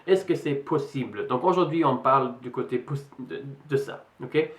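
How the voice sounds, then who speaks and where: Young English guy, native English speaker, vlogging in French; halting, filler-heavy delivery; middle pitch; roomy echo. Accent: English speaker in French, slightly American-tinged. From England. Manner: hesitant, many fillers and restarts. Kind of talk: casual vlog talk to camera.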